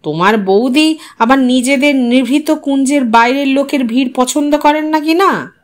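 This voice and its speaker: A woman's voice: high-pitched, normal speed, natural voice. A woman voicing a joking man of modest means who banters as he hosts, in an audio story. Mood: teasing. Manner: bantering, familiar.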